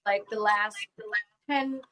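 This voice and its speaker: A woman's voice: mid-range voice, fairly even intonation, slow pace, pushed and bright, clean tone. A young adult woman from Cambodia, a beauty queen and actress, answering interview questions over a video call, earnest and often searching for words.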